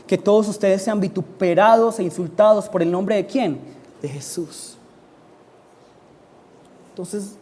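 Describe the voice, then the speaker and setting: A man's voice: sits high, dark tone. A man preaching a sermon, pleading and emphatic, with sudden rises and drops. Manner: emphatic preaching, rising in pleas and dropping in asides. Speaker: pastor.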